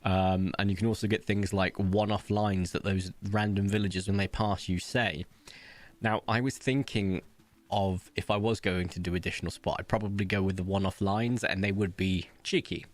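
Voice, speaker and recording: A man's voice: deep voice, fairly even intonation, normal speed, no echo. A man hosting a casual let's-play, chatty and upbeat, rambling and laughing often at his PC desk mic. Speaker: gaming channel host.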